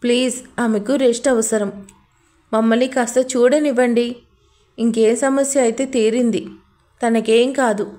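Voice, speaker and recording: A woman voicing a calm, polite hospital doctor in an audio story, speaking reassuringly. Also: on the high side, measured pace, natural voice.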